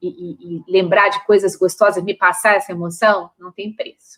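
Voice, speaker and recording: A woman speaks at a medium pitch. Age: 50s. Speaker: podcast host. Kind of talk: interview conversation. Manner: warm, emotional.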